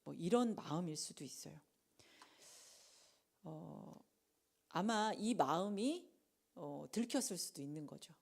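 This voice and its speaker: A woman gives a conversational sermon at a late-night prayer meeting. Her voice sits low and mellow, with a lively, swooping pitch. She voices the people in the story herself and now and then sinks to a whisper to drive a point home. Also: takes it slowly, vocal fry, pauses often. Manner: animated, acts out the disciples' and Jesus' lines in dramatized quotes; drops to a whisper for emphasis.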